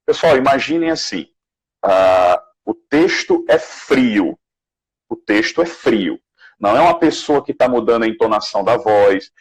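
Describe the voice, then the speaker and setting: A man with a Brazilian Portuguese accent, a guest sales manager on a live video call, giving animated career advice and acting out sample messages. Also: slightly rough, rough recording. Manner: animated, acts out sample messages with rising pitch. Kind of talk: live online career chat.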